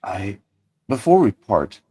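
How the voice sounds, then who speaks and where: A man voicing a courteous, earnest adventurer in a tabletop game, speaking formally and politely with halting pauses. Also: on the low side, very animated, dark tone, husky, no echo, studio quality, voice pushed up, exaggerated voice.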